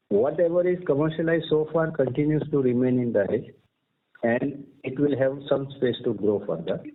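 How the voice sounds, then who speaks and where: A man with an Indian accent answering investor questions as a company executive on an earnings call, explaining things step by step. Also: mid-range voice. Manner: explanatory, uses tags like "right?" and "so to say". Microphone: conference call line. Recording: muffled narrow-band conference phone line.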